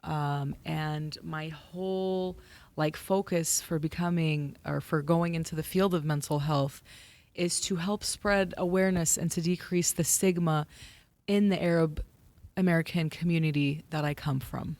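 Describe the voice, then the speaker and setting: A woman from the US with a very low voice, speaking as a guest on a podcast panel. Her talk is casual and loose, filled with "like" as she makes her points. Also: steady tone, unhurried, darkish tone. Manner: casual, uses "like" often.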